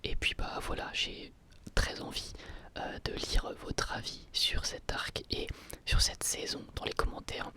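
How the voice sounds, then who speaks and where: A video host whispers throughout in a breathy, unvoiced, sharp voice, giving an ASMR-style review. The pace is unhurried, and they think aloud in short, hesitant phrases.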